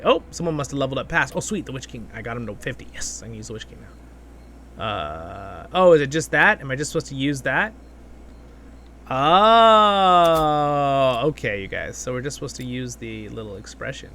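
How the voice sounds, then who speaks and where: A man hosting a gaming video with casual, excitable commentary, talking half to himself and half to his viewers. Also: medium pitch, slight background noise. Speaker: gaming channel host. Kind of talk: casual gameplay commentary, with expressive story reading.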